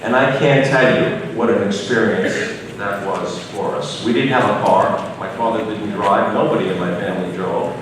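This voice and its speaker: Middle-aged New man, measured and earnest speaker at a podium, far from the mic in a reverberant hall, audible background noise. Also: fairly low pitch. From United States. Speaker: physician giving a speech. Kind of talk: prepared speech. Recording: echoey hall from far off, noisy.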